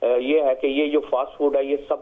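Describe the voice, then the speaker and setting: Middle-aged guy on a tinny phone line, lots of umms, pauses, english words mixed in. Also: medium pitch, level tone. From Pakistan. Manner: hesitant, many fillers, mixes in English words. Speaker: caller. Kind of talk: phone-in call to a TV show.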